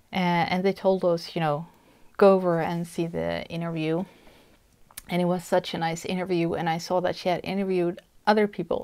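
A woman with a Swedish accent speaks in a monotone, flat intonation. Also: fairly low pitch for a woman, moderate pace. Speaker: cross-stitch vlogger; craft vlogger. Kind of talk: casual vlog monologue; casual vlog chat. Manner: halting, many fillers. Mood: warm, friendly. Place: home room. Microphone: lapel.

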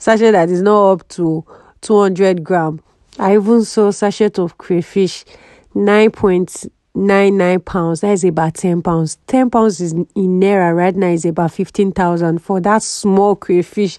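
Over a quiet background, a woman talks at a very slow pace with a dark, mellow tone, fairly even intonation and a dry sound with no echo. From Nigeria. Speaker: vlogger and healthcare assistant. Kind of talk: casual vlog. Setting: on the go, in car and stores. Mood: playful, joking.

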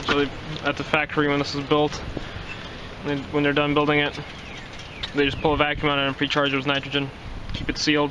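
Noticeable background noise sits behind a man's voice. He talks at a very fast pace with monotone, flat intonation. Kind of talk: tutorial. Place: street. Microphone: phone near.

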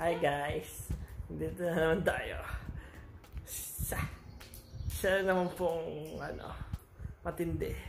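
A man's very slow speech with long, frequent pauses over noticeable background noise. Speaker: vlogger. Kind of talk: casual vlog chat. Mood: playful, joking. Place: home room. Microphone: phone near.

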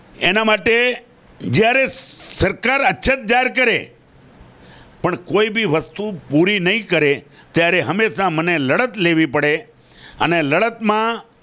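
The voice is raised and projected, with a bright, sharp tone. Its intonation is lively while its loudness stays very even. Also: man, high pitch for a man. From Kutch, Gujarat (Abdasa taluka). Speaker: community leader and cow-shelter founder. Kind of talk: interview. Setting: office in Mumbai.

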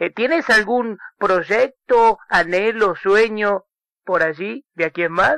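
A man speaks very slowly in a high, bright, sharp voice with ordinary pitch variation. The sound is dry and close with no echo. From Argentina. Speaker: radio host. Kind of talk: radio interview.

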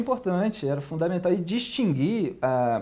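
The man speaks in a fairly high pitch at a moderate pace. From Rio de Janeiro, Brazil. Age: 30s. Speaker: political journalist and commentator. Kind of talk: interview answer. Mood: calm, analytical. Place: studio.

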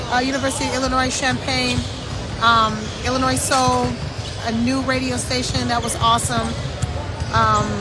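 Music plays in the background as a woman speaks at a moderate pace with long, frequent pauses, in a dry sound with no echo. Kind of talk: casual vlog chat. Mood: grateful, upbeat. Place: hall. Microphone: phone near.

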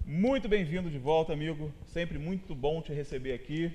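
There is light background noise. A man speaks at a fairly high pitch with ordinary pitch variation. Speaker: TV news host and interviewer. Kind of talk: casual studio interview. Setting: studio. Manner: conversational, hesitant with many fillers. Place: studio.

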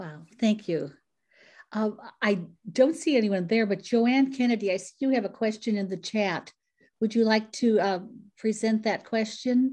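Against a quiet background, a woman with a fairly high pitch speaks in a somewhat breathy voice with a dark, mellow tone. Her pitch varies in an ordinary way, and she leaves long, frequent pauses. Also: moderate pace. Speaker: event moderator. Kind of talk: moderating a virtual event. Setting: video call. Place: home room. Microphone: video call.

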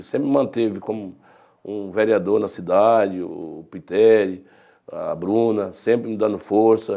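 Over a quiet background, a man speaks at a fairly slow pace. His voice is medium in pitch, with a dark, mellow tone. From Brazil, Piauí (São Raimundo Nonato); Piauí, Brazil. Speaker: city councillor; council guest. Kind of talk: interview. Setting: studio. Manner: halting. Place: studio.

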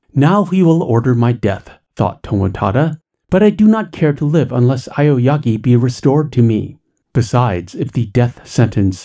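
A man's somewhat breathy, dark, mellow voice at medium pitch, moderate pace and lively intonation, with a dramatic tone. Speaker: video narrator reading a story aloud. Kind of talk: storytelling narration, reading a ghost story aloud. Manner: measured, dramatic, steady pacing with suspenseful tone.

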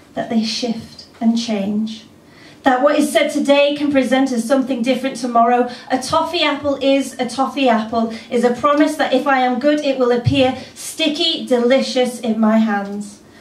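A woman with a high pitch and fairly even intonation speaks amid audible room echo. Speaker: open mic poet. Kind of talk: spoken word poetry at an open mic, read aloud from the page. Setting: open mic event. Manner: halting and hesitant in the spoken intro, with fillers. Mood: calm, reflective. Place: hall.

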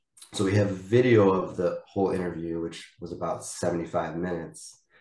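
With an American accent, a man talks at a moderate pace in a very deep, low pitch, against a quiet background with audible room echo. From Chicago. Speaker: documentary filmmaker. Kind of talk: interview. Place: home room. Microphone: video call.

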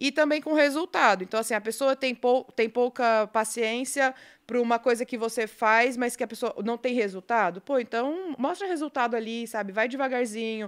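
A woman's voice with a fairly high pitch. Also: quiet background. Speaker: podcast guest, host's wife; podcast guest. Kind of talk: casual chat. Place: studio. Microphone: studio mic.

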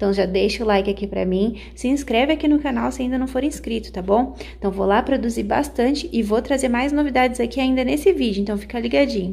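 Her fairly high voice moves at a fairly quick pace with ordinary pitch variation as a woman talks. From Brazil. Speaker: crochet YouTuber. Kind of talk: casual show-and-tell vlog. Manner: animated. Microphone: phone near.

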